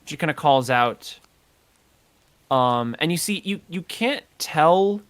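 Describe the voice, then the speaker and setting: A man's voice: on the high side, lively intonation, slow pace, fairly bright tone. A man narrating as game master of a tabletop game, hesitant and full of filler words. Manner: hesitant, full of ums and kinda.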